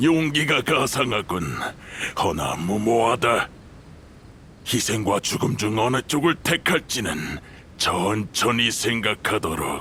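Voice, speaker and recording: A put-on character voice takes a menacing tone at a fairly slow pace, broken by long, frequent pauses over clear background noise. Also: man, medium pitch for a man. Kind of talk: video game dialogue. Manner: haughty, menacing.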